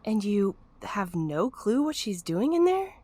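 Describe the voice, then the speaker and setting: A woman's voice: mid-range voice, unhurried. A woman acting in an audio drama as an anxious, wry young female sleuth, talkative and a little hesitant. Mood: questioning. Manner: hesitant, expressive.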